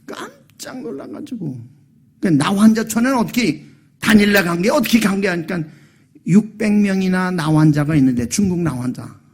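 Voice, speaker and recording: A man's voice: sits high, lively intonation, normal speed, husky. A man pastor preaching a sermon in a church, telling a story and acting out the quotes, then rising to emphatic appeals. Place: church sanctuary.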